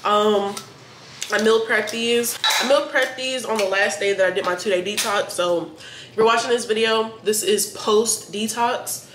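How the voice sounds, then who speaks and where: A woman's voice: medium pitch, steady tone, moderate pace, noisy background. A young adult woman vlogging her day in a casual, blunt, profane way, sounding a bit stuffy in the nose. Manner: blunt, profane, chatty, talks straight to viewers. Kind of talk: casual day-in-the-life vlog. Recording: echoey room with clattering dishes.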